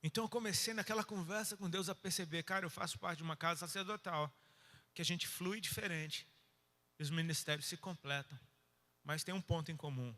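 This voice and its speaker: Bright-voiced Brazilian preacher in a hall. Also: male voice, a little high, a little fast. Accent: Brazilian Portuguese. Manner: colloquial storytelling with slang, dynamic swings from loud to hushed. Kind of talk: sermon. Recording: reverberant hall.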